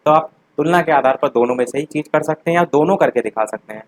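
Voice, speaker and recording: Quick and high-pitched, the young man runs a teaching-exam revision class over poor-quality audio. Each answer gets a plain explanation as he talks straight to the students, restating the main points more than once.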